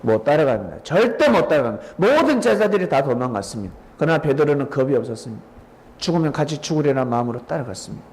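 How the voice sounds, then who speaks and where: Animated male pastor preaching. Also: a little high, quick pace. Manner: dramatic storytelling, quizzing listeners by name. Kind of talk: sermon. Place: church sanctuary.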